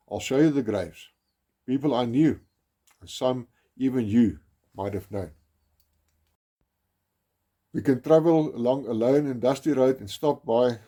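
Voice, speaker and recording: Solemn South African man narrating, husky. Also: mid-range voice, mellow. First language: Afrikaans. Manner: grave, measured, with emphatic stresses and some restarts. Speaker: documentary narrator.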